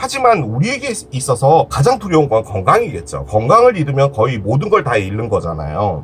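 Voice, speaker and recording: A man talks at a fairly quick pace. Noticeable background noise runs throughout. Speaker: tarot reader. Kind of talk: tarot reading monologue. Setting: reading room at home.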